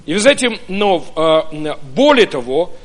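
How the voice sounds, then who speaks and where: A pastor from Ukraine preaching a sermon, telling his own story in an animated way with many hesitant fillers. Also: high-pitched, unhurried. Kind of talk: sermon with personal testimony.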